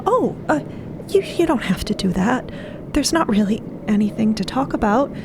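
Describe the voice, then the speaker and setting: A woman acts out a young female adventurer, anxious and tired but sweet. The voice lifts high and catches with creak as the words come out hesitantly and earnestly, like an audio drama heroine trying to cope. There is a clear layer of ambient noise behind it. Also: lively intonation, moderate pace. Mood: nervous, flustered.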